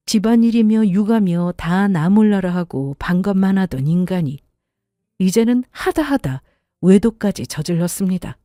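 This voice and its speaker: A woman's voice: medium pitch, warm tone, dry recording, clean studio sound. A woman narrating her own story in the first person, indignant and confiding.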